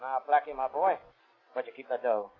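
A man's voice: medium pitch, brisk, breathy edge, phone-quality sound, lightly acted. A man playing a hard, threatening 1930s American gangster boss in a radio crime drama, snarling slangy tough talk. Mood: menacing. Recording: thin, hissy old radio recording.

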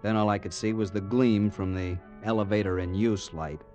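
A man's voice: lowish voice, steady tone, normal speed, darkish tone, soft background music, close to an everyday voice. An actor playing a young man narrating his growing fear in 1940s radio acting style. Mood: tense. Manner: narrates tensely, growing panicky.

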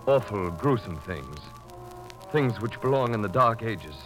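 Grave, low-voiced skeptical doctor. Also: male voice, expressive, music in the background, poor audio. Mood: grave, bewildered. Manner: formal, grave, measured diction. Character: skeptical male doctor, rational, stern, troubled. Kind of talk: 1940s radio drama acting and narration. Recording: vintage radio drama recording.

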